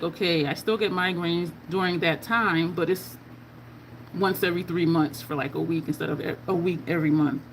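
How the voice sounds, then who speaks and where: A woman's voice: lowish voice, fairly bright tone, a little hiss or hum, poor audio. A woman in her fifties chatting candidly while doing her makeup, answering viewer questions in a frank, conversational way. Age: 50s. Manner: candid, chatty, reading viewer comments aloud. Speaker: makeup vlogger.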